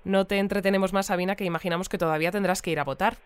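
An actress playing a composed female radio news presenter in an audio drama, speaking in a measured, polite, articulate way. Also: medium pitch, steady tone, clear, resonant tone, no echo, natural voice.

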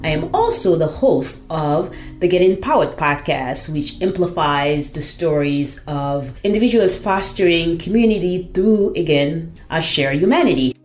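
A woman's voice: low-pitched, lively intonation, measured pace, a little mellow, soft background music. A woman from Haiti who hosts a podcast, telling her story in an earnest, reflective way with frequent "you know"s. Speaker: podcast host. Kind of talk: personal testimonial.

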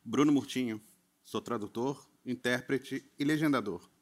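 A man's voice: medium pitch, normal speed, very noisy. A man who works as a translator, a guest answering a comedic interview with short, laid-back replies. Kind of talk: casual comic interview.

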